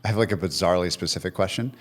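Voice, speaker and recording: A man's voice: sits low, racing. A man hosting an interview, asking curious, probing follow-up questions. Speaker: podcast host.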